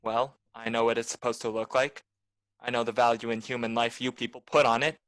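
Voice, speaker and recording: Radio play private eye, male actor: cynical wisecracker, nonchalant tough talk, mid-pitched, dry sound. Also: level tone, brisk, a bit bright, dry recording, natural voice. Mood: wry, guarded. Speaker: actor, lead and narrator. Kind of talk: film noir radio play acting.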